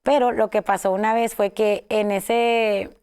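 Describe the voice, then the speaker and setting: Mexican woman, gravelly yet smooth. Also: mid-range voice, steady tone, a little slow, a little mellow. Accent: Mexican Spanish. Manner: rambling, many fillers and self-corrections. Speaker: guest telling her story. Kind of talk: casual storytelling interview.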